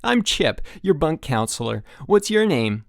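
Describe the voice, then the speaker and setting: A man voicing a gung-ho young camp counselor in an audiobook, hearty, loud and over-friendly. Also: a little high, big pitch swings, unhurried, vocal fry, dry recording, clean studio sound, pitched above the performer's own voice, full character voice. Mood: hearty, welcoming.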